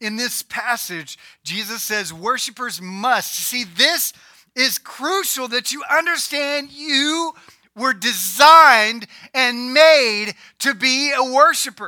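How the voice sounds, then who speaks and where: A man's raised, projected voice, extremely high in pitch, bright and sharp, with lively intonation and a very slow pace. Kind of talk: sermon. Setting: church. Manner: earnest, teaching-style preacher, emphatic with repeated phrases; conversational and interactive, invites the congregation to shout answers.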